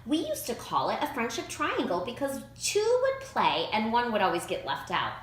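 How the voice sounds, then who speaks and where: A patient storybook mom giving preachy advice, read by a woman. Her voice sits fairly high with big swings in pitch. The room has noticeable echo. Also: huge pitch swings, normal speed. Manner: preachy, advising. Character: mother, patient, gently preachy. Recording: roomy echo, faint background noise.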